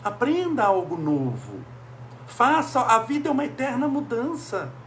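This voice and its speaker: A man's voice: extremely high pitch, sing-song, a little slow, fairly bright tone, slight background noise. A man from Brazil giving a motivational talk, full of emphatic rhetorical questions. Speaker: speaker.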